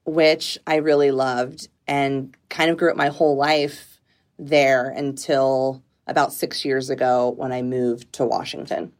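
Low-voiced reflective woman from California. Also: level tone, measured pace. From Southern California. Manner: open, reflective, laughs easily. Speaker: nonprofit executive director, guest. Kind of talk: casual conversational interview.

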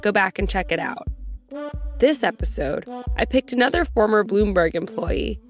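Woman host, mid-pitch voice, upbeat podcast intro vibe. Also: animated, moderate pace, faint music behind. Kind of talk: scripted podcast intro and interviewing. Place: friend's apartment floor.

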